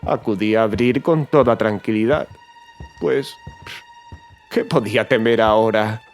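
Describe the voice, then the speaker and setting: An actor playing a nervous, gleeful madman confessing to murder in a theatrical horror audiobook, with erratic swings and drawn-out emphatic words. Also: lowish voice. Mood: smug, sly. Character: nervous, gleeful, mad male murderer confessing his crime. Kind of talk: dramatic horror audiobook narration. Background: music.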